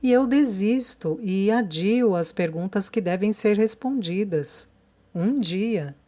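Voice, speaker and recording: A woman narrating an audiobook in a calm, measured reading. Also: mid-range voice.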